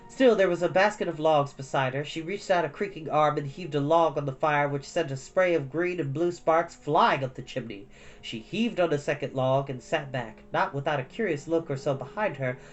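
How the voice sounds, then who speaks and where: A man reading a storybook aloud as an expressive narrator. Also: fairly high pitch. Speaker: storytime reader.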